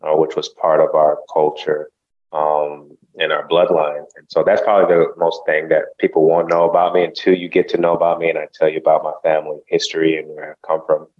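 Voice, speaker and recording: A man from the United States whose first language is Haitian Creole, speaking as a podcast guest in a measured, reflective way. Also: rumbling low, monotone, darkish tone, muffled recording. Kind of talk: casual interview chat.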